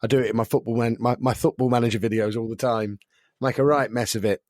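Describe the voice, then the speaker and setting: A man hosting a casual podcast, his voice a little croaky, talking with dry self-deprecating humour. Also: mid-range voice, steady tone, fast, darkish tone, dry recording. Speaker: podcast host.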